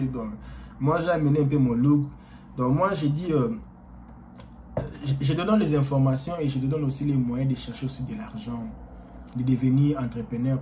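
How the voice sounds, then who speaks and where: With many fillers and a halting, meandering style, a man whose first language is Portuguese speaks casually to his viewers as a YouTuber. His medium-pitched voice has a warm tone, with slight background noise.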